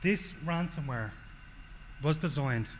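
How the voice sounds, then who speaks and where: A man's voice: fairly high pitch, slow pace. An Irish man giving a technical presentation, explaining step by step and often checking in with the audience. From Ireland. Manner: explanatory, frequent "okay?" check-ins. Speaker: solutions engineer presenting. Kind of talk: conference presentation. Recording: long hall reverb, faint noise.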